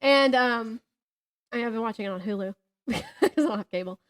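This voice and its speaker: A woman chatting casually as a podcast co-host, telling stories in an animated way and acting out what people said. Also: on the high side, fairly quick. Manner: animated storyteller who acts out reported dialogue and jokes at herself. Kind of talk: casual chat, storytelling.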